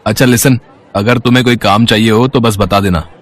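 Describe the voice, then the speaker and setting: A man's voice: medium pitch, steady tone, normal speed, natural voice. Man acting a spoiled, arrogant rich young man. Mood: mocking, smug. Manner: mocking, whiny, entitled, mixing English words into Hindi. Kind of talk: dramatised Hindi story acting.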